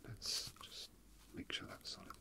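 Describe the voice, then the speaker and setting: Someone whispering asmr, really sharp breathy sound, slow casual muttering to themselves. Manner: soft, unhurried, murmuring to self. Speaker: toy unboxing video host.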